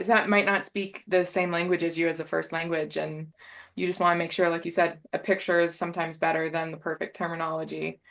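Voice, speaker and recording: A woman's voice: on the low side, a bit bright. Hesitant woman moderating a live Q&A. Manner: hesitant, full of fillers. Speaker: host, Q&A moderator. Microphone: video call.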